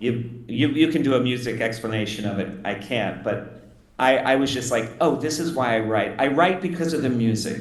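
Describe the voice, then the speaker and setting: A man talks at a moderate speed. The room echo is audible. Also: medium pitch for a man, ordinary pitch variation. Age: 70s. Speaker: opera librettist. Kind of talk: Q&A discussion on stage. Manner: animated, emotional.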